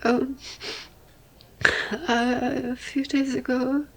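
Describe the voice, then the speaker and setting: A woman's voice: high-pitched, level tone, extremely slow, slightly rough, heavily acted, low-quality recording. A woman voicing a timid, deferential young servant who speaks hesitantly and very politely. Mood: tearful.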